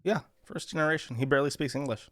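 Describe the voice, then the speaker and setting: A man's voice: on the high side, fast, fairly bright tone, no room sound, studio quality. A man in casual conversation, telling a long, profane, rambling story. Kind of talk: casual chat.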